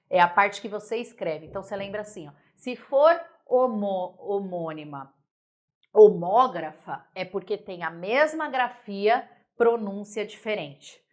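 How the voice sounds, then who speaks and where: A young Brazilian woman with a Brazilian Portuguese accent leads a casual grammar lesson for exam prep, speaking in a relaxed, chatty way. Her voice is slightly high and she stays lively while explaining, often pausing to make sure everyone is keeping up.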